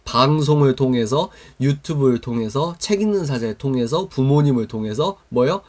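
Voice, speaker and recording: Streaming live online to viewers, a man leads a Christian youth mentoring lesson, quizzing his audience through call-and-response questions. His voice is medium-pitched and a little mellow, expressive, at a moderate pace.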